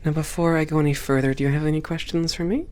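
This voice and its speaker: A performer playing a friendly, composed female hangar supervisor in an ASMR roleplay, speaking in a measured, welcoming and professional way. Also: mid-range voice, fairly even intonation, a little mellow, close to an everyday voice. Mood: reassuring, instructive. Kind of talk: ASMR roleplay, one-sided conversation.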